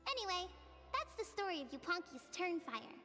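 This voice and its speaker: A very high, lively child's voice over faint music. The video game kid is earnest, outspoken and quick to get excited. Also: female voice, exaggerated voice.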